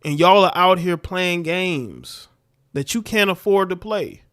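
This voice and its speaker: A man's voice: high voice, a little slow, a bit bright. A male livestream host rants bluntly about the clips he plays. His tone is scornful and lecturing, and his voice sits a little above the usual male range. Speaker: livestream commentator. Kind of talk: livestream reaction commentary.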